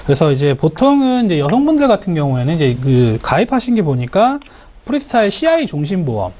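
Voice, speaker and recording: A man advising a caller as an insurance expert, in a high, lively voice that swoops up and down. He talks in a friendly, explanatory way and fills his sentences with small hesitations. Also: fairly quick, a crowd in the background. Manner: friendly, explanatory, filler-heavy. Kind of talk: phone consultation advice.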